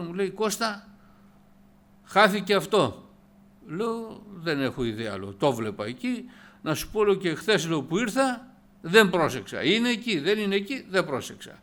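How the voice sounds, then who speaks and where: A man giving a personal conversion testimony at church, telling his story with animated storytelling and acted-out dialogue, rising loud and emphatic on key points. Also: on the high side.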